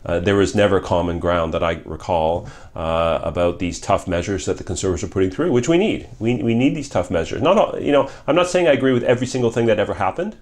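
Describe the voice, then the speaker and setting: A man's voice: deep voice, animated, fast talker, few pauses, darkish tone. A middle-aged man whose first language is Polish, a former member of Parliament answering interview questions in an earnest, repetitive way with many restarts. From Canada.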